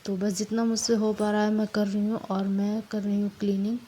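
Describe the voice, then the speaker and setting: Young woman, hoarse and run-down, flat dark delivery, faint room hiss, homey vlog talk. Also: mid-range voice. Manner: tired, halting, apologizing for her voice. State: hoarse from a sore throat and fever. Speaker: family vlogger. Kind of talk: casual vlog narration while doing housework.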